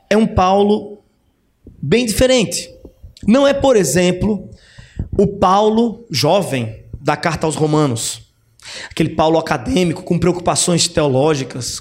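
A man teaching the Bible in a chatty, conversational way, often checking in with his listeners. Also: fairly high pitch. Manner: chatty, with frequent "né?" asides and restarts.

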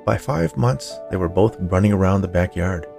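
A man's voice: low voice, moderate pace, gravelly, over music. A man reading a scripted short story in the manner of an audiobook narrator. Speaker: writer, narrator and producer of a fiction podcast.

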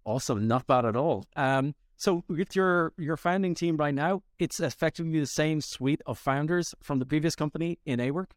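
Smooth-voiced male podcast host. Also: fairly high pitch, normal speed, hardly any pauses, no room sound, studio quality. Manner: upbeat, effusive affirmations. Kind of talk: interview hosting.

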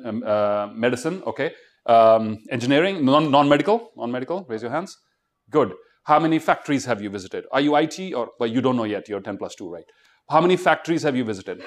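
A middle-aged man with an Indian accent giving students a motivational talk, emphatic and exhorting, often firing questions at them. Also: mid-range voice. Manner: emphatic, exhorting, fires rhetorical questions at the audience. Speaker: motivational speaker.

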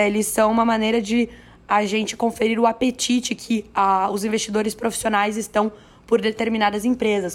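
A hoarse, raspy-voiced woman with a Brazilian accent, hosting a news podcast in a chatty, playful way with self-deprecating asides. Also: on the high side. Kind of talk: chatty, conversational news narration.

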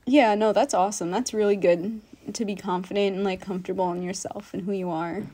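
A woman with a voice of middling pitch co-hosts a casual podcast. She keeps things moving with easy questions and brief reactions. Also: brisk. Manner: relaxed, steers the talk with questions and short replies. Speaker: podcast co-host. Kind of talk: casual chat.

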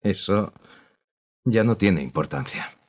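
An actor playing an old music master in prison, speaking in curt, weary replies with a husky voice. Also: male voice, low voice, expressive, slow pace, a little mellow, heavily acted. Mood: resigned. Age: older. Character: old imprisoned music master, disgraced and resigned.

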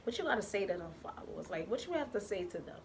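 A woman's voice: mid-range voice, sing-song, quick pace, creaky, slight background noise. Slangy woman hosting a casual chat. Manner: laid-back slangy talk with fillers. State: hoarse. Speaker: host.

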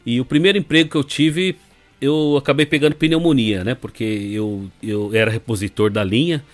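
A man's voice: mid-range voice, moderate pace, soft background music. A middle-aged Brazilian man from Brazil, a podcast guest relaxedly telling his story with lots of filler tags. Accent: Brazilian Portuguese. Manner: relaxed, rambling, leans on fillers and tag questions. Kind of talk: casual storytelling interview.

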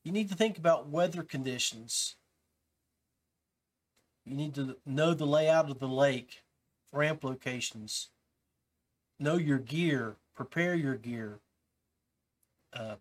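A man hosting a podcast, casually talking viewers through advice with many fillers and restarts. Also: a little high. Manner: coaching tone, giving tips to beginners. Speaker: podcast host.

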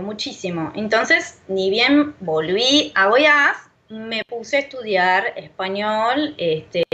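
A Brazilian woman whose first language is Portuguese, a language teacher chatting as an interview guest, pausing often with fillers. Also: a little high, sharp tone. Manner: thoughtful, many pauses and fillers. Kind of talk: casual interview talk. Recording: dull lo-fi audio.

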